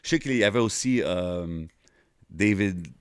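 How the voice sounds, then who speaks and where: A man's voice: deep voice, a little slow, smooth, no room sound, clean studio sound. A man with a Québécois French accent hosting a podcast, laid-back and full of hip-hop slang in both languages. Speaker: podcast host. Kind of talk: casual podcast conversation.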